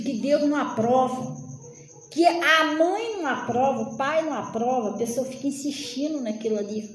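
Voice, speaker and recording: Woman, late 30s, high voice, informal sermon, chatty, roomy echo. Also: a little hiss or hum. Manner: chatty, animated, often addresses listeners as "gente". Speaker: preacher.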